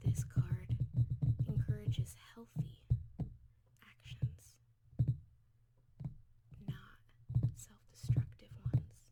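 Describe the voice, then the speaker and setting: Soft-spoken and whispering, a woman talks at a very slow pace with long, frequent pauses. Music plays in the background. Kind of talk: ASMR tarot reading. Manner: soft-spoken, whispered, slow.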